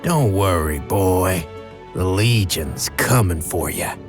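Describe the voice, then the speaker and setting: A man's voice: low-pitched, animated, faint music behind, full character voice. A man acting a mocking, menacing militia commander in a video game, taunting as a villain. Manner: unhurried, taunting.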